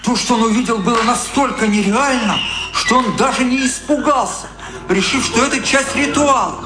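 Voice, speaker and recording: A man's voice: extremely high pitch, normal speed. A man narrating a radio drama from a literary script. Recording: roomy echo with prominent music.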